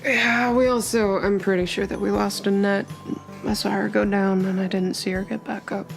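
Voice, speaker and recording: A woman playing a down-on-his-luck male private investigator in a tabletop game, hushed, halting, defensive and evasive. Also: mid-range voice, steady tone, creaky, soft background music, lightly acted. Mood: weary.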